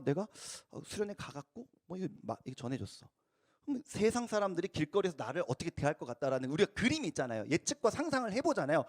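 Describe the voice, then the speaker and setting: A young male youth pastor giving a playful, interactive sermon at a church youth service and coaxing students into role-play. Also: high voice.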